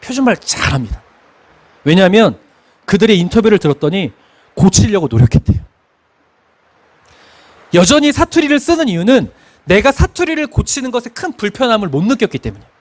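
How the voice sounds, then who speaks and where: A middle-aged male pastor delivers a Sunday sermon in a notably high voice. His pitch swings widely as he tells stories, and he breaks into laughter now and then. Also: brisk, long pauses. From Chungcheong, Korea. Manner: expressive preaching, sings hymn lines, laughs while telling stories.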